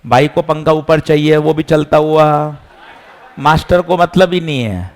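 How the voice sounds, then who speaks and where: A man teaching physics in class, calmly repeating each step and scolding students who chat. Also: on the high side, unhurried. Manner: patient, repeats steps, scolds chatter. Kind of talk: classroom lesson.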